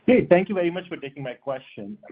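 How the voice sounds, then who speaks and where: A man's voice: a little high, animated, brisk, breathy edge. A man asking a question as a financial analyst on an earnings call, tentatively rephrasing as he goes. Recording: narrow tinny phone line.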